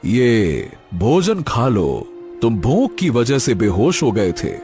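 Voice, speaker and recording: An actor voicing a wise, mysterious old hermit sage in a cartoon story, speaking calmly and soothingly. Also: male voice, mid-range voice, music in the background. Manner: calm, soothing, measured.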